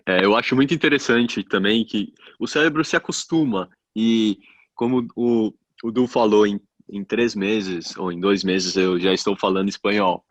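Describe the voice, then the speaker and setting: A man from Brazil with a Brazilian Portuguese accent, a medical resident telling stories in a casual podcast chat, animated and quick to laugh at himself. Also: lowish voice, no echo. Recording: dull, dry lo-fi remote mic.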